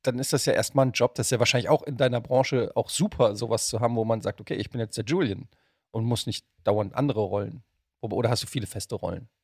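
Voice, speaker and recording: A man's voice: medium pitch, fast, a little mellow, breathy edge, no room sound, clean studio sound. A man chatting casually as a podcast co-host and interviewer. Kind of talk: casual chat.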